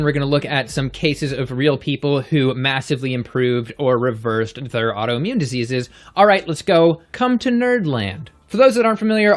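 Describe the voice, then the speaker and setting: A man hosting an upbeat science explainer, energetic and given to jokey asides. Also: fairly high pitch. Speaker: host.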